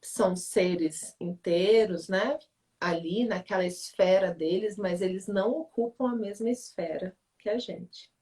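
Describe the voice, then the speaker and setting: A woman's voice: mid-range voice, a little slow, a little mellow. Woman explaining, slightly distant mic. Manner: reflective, teacherly, frequent "né?" check-ins. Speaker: author and family-relations speaker in a livestream. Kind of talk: explanatory talk in a live conversation.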